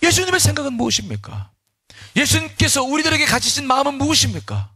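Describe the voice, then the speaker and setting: A male pastor preaching a sermon, telling the story animatedly with dramatic pauses and frequent restarts. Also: very high-pitched, huge pitch swings, bright, forceful tone, no echo, studio quality.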